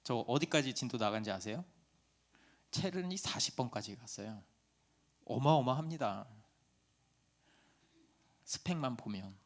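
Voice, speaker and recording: Middle-aged male pastor, conversational sermon delivery, lively rhetorical questions, mid-range voice. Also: mid-range voice, unhurried, pauses often.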